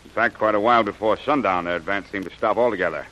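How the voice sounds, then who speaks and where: Guy doing low fast-talking scout, sharp bright voice, sure of himself. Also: highs cut off, slight background noise, lightly acted. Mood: confident. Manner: quick, sure, reporting. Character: confident adult male outpost scout.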